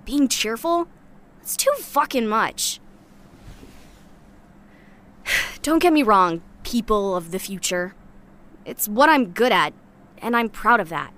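A woman's voice: medium pitch, lively intonation, slow, pauses often, fairly bright tone. A woman playing a guarded, cynical young scrap scavenger in a sci-fi audio drama, talking bluntly and casually with sardonic bite. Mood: exasperated, sarcastic. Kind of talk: audio drama monologue, naturalistic.

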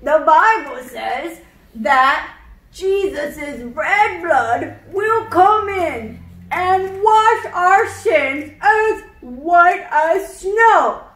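Woman voicing high, slow, earnest elderly puppet teacher. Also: animated, a bit bright, heavily acted. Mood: solemn, instructive. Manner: slow, emphatic, preacherly explaining. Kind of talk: children's puppet show, scripted Bible lesson. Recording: roomy echo, distant microphone.

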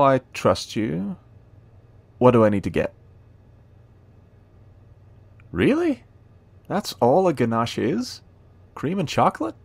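A man acting a friendly, playful, eager young cafe helper in a romance audio roleplay, teasing and warm in a conversational way. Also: mid-range voice, vocal fry, dry recording, full character voice. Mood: curious, teasing.

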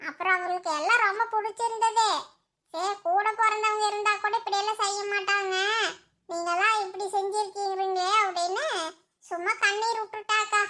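A woman doing a shrill caring village aunt. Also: steady tone, moderate pace, bright, forceful tone. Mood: scolding, consoling. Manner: caring, scolding, homely. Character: older village women of a big family, caring and scolding. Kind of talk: cartoon voice acting.

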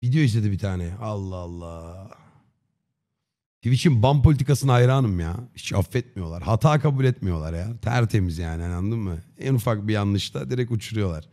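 A man in his thirties chatting casually on a livestream in a slangy, joking, deadpan way. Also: fairly low pitch, a little fast. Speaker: live streamer. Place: dim indoor streaming room. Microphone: close desk microphone with headset on.

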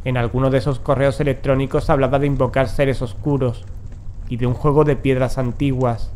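A man playing a grave, determined occult investigator in a horror audio drama, speaking in a solemn, measured way. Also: medium pitch, flat delivery, darkish tone, slight background noise, lightly acted. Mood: grave, ominous.

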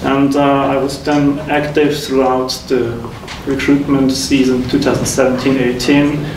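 A man in his thirties from Switzerland, a faculty guest recounting his career path in a measured, reflective way. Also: mid-range voice, flat delivery. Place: lecture room with whiteboards. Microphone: room mic from a distance. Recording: echoey room, distant mic, noisy.

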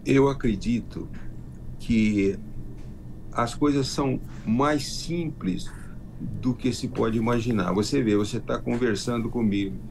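An older man with a rural Minas Gerais accent, answering interview questions slowly over a video call from his home library, often restarting his sentences. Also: mid-range voice, gravelly, noisy background. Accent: rural Minas Gerais Portuguese. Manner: unhurried, with frequent restarts. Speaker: guest, self-taught linguist. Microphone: video call webcam.

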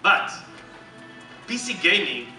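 A middle-aged man with an Israeli accent giving an animated, joking keynote presentation on stage. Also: high-pitched, takes it slowly, distant mic, soft background music. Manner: animated, joking, emphatic and repetitive. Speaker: company executive presenting on stage. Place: large dark conference hall with audience. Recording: echoey hall recorded from the audience.

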